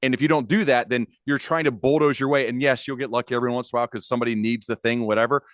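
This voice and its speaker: A man hosts an interview podcast, telling stories in an informal, emphatic way and repeating phrases as he talks. His medium-pitched voice is rapid-fire with fairly even intonation, in a conversational interview recorded dry at studio quality.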